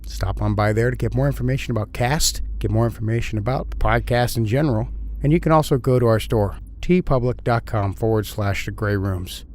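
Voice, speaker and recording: A man's voice: mid-range voice, fairly quick, a little mellow, a little hiss or hum. A man hosting a podcast, reading the credits and plugs in an informal, conversational outro. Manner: conversational, plugging links and credits.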